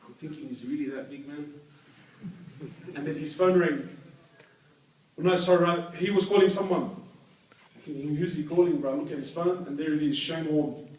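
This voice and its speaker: A man's voice: a little high, normal speed, pauses often, darkish tone. A man hosting a live event, talking to the crowd with energy and slang like "bro". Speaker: host. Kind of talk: live event introduction and interview. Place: hall with an audience. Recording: roomy hall, voice picked up from a distance.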